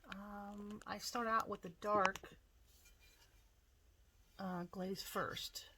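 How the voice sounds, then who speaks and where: A woman pottery artist giving a casual demonstration, chatty and relaxed, thinking aloud with plenty of fillers as she works. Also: medium pitch, extremely slow, slightly rough, poor audio. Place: home pottery studio.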